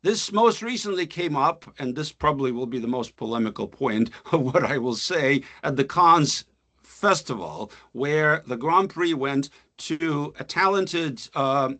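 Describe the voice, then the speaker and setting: A man, a poet and scholar whose first language is Russian, reads his own poem solemnly and then lectures with many pauses on a video call. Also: a little high, lively intonation, fairly bright tone. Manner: measured, solemn recitation with long pauses; thoughtful academic talk with many filler uhs. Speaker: guest speaker, poet and scholar.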